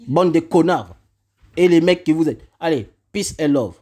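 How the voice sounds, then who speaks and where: A man's voice: on the high side, moderate pace, mellow. A man from Congo, delivering a heated, insulting rant to camera and repeating his points. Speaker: vlogger.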